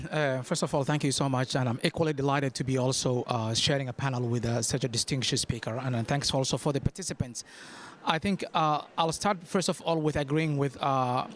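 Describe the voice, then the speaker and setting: A man's voice: medium pitch, steady tone, a little fast, a little hiss or hum. A man from Somalia speaking as a government policy director on a panel, making his points emphatically and repeating key phrases. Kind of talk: extemporaneous panel remarks.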